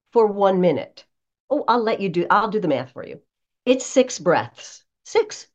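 A woman with a fairly low voice gives coaching advice in a conversational, instructive way. Her delivery is emphatic and swings widely in pitch. The audio is a little dull and lo-fi. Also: darkish tone. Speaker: voice coach, podcast guest.

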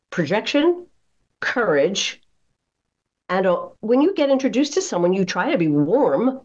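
A woman speaking as a guest voice coach, giving conversational advice in an emphatic, expressive and encouraging manner. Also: on the low side.

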